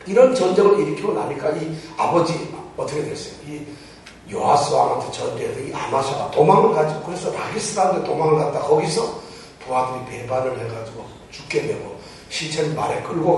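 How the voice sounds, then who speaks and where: Male preacher, slightly high voice, teaching with questions to the pews; distant mic in a very reverberant church. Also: darkish tone, slight background noise. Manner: poses rhetorical questions to the congregation. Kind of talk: Bible teaching sermon. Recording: very echoey church hall, mic far off.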